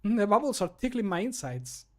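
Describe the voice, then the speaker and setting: Man putting on a whimsical, high-voiced fantasy game oddball. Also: big pitch swings, moderate pace. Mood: giddy, tickled. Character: cheery, quirky male ale-and-bread-loving fantasy game character. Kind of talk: fantasy video game voice lines.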